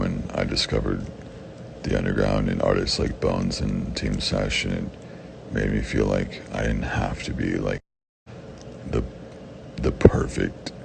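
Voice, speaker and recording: A young man with a very deep, raspy voice, answering fan questions in blunt, profane casual talk. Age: young adult. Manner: blunt and profane, with frequent swearing. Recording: background noise.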